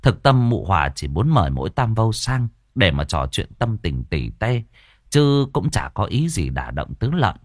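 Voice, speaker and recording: A man telling a comic folk tale in a lively, mocking way. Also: lowish voice, moderate pace, no echo. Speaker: storyteller. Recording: dry close voice.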